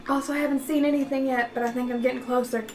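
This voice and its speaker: A woman's voice: high-pitched, flat delivery, very fast, darkish tone, faint music behind. A woman with a put-on Southern US accent, playing a character in a casual tabletop game and talking in a blunt, joking way with the odd swear. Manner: playful, blunt, swears and jokes. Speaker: player. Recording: echoey room with faint noise.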